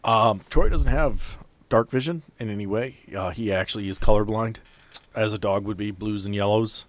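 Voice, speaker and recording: Low-voiced, matter-of-fact man at a game table. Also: moderate pace. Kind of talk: casual game-table talk. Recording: music behind the voice. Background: music.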